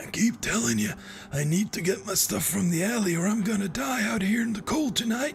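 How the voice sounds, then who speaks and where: A man uses a put-on character voice at a high pitch and fairly quick pace. Background noise is clearly heard. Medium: actual play. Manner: whiny, complaining.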